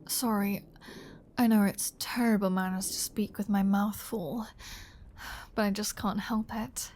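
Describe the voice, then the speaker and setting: Casting: flirty vampire huntress of humans woman performer, unhurried, breathy and half-whispered, teasing, in command, ASMR roleplay style. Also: mid-range voice, fairly even intonation, darkish tone, a little hiss or hum, close to an everyday voice. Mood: pleased, seductive. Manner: teasing, breathy, slow, dominant. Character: flirty, predatory female vampire toying with a hunter. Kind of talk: intimate ASMR audio roleplay, often whispered.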